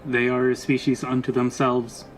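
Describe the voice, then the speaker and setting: Man playing a flat, formal robot bodyguard. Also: mid-range voice, a little hiss or hum, lightly acted, low-quality recording. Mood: measured, stilted. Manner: stilted, formal, halting machine-like delivery. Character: loyal, literal-minded male robot bodyguard, patient and formal. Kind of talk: tabletop roleplay acting.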